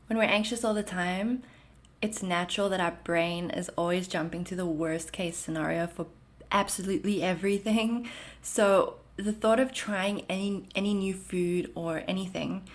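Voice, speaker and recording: A woman in her thirties from South Africa, with a South African accent blended with Canadian, hosting a solo podcast in a gentle, reassuring and chatty way, full of "like" and "um". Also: mid-range voice. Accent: South African mixed with Canadian. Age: 30s. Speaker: podcast host. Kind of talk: casual solo podcast talk.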